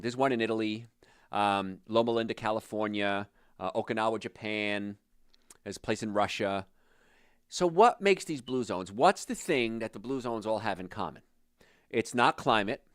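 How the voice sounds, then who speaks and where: A man's voice: lowish voice, lively intonation, moderate pace, no room sound, clean studio sound. A middle-aged man hosting a health talk, speaking plainly and emphatically straight to the viewer. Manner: plain-spoken, emphatic, addresses the viewer directly. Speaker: health show host. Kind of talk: direct-to-camera health talk.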